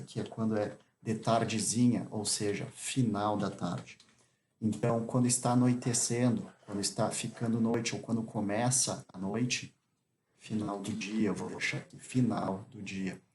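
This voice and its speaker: A man gives a slow, deliberate lesson in a fairly low voice, repeating each phrase so learners can follow. Faint noise and small clicks sit under the recording. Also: darkish tone. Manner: repeats each phrase slowly, drilling pronunciation. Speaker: English teacher.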